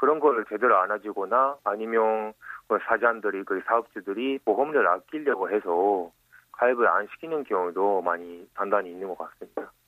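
Speaking with a Japanese accent, a man with a fairly low pitch and a bright, sharp tone talks at a moderate pace with ordinary pitch variation, in a dry, close sound with no echo. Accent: Japanese-accented Korean. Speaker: NGO medical team leader. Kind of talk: interview answers.

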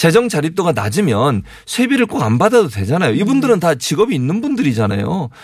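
A man speaks at a high pitch with very wide pitch swings, moving at a fairly quick pace. He hardly pauses, and background noise is noticeable. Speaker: professor and current-affairs commentator. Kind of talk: radio current-affairs talk. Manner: gets louder when angry.

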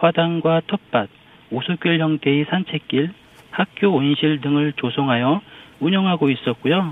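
An unremarkable speaking voice from a man, fairly high in pitch, with ordinary pitch variation and a fairly slow pace. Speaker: government official. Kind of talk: formal interview answers.

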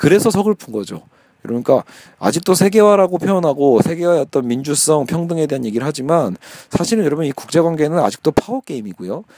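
A man's fairly high, dark and mellow voice at a very fast pace, with very wide pitch swings and a dry, close sound with no echo. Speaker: lecturer. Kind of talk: lecture. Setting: home room, alone.

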